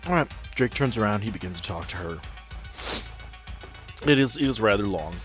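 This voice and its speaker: A man's voice: fairly low pitch, expressive, normal speed, fairly bright tone, soft background music. A man running a tabletop roleplaying game, narrating scenes in a conversational, explanatory way. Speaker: game master.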